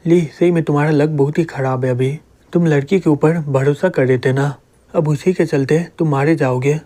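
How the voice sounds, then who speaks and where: A man's voice: fairly high pitch, steady tone, moderate pace, mellow, close to an everyday voice. A man voicing a jealous, scheming young man who gloats in his thoughts. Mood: gloating.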